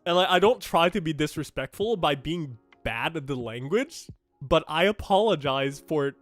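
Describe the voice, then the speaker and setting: A man's voice: a little high, animated, normal speed, dry recording, soft background music. A young man from Thailand whose first languages are Thai and Japanese, talking through game news in a chatty, blunt way with lots of fillers and restarts. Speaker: gaming streamer. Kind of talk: casual game news reaction commentary.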